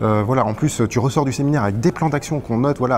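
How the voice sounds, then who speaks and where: A man speaks very fast at a medium pitch. His pitch variation is ordinary. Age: 30s. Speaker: property investor. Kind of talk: testimonial.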